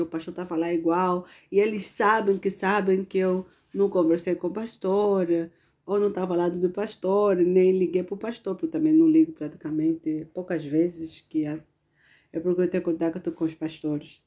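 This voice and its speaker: Earnest woman preaching in with a mellow voice. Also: lowish voice, flat delivery, a little fast. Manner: conversational, earnest, addresses listeners as "amado". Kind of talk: informal sermon testimony.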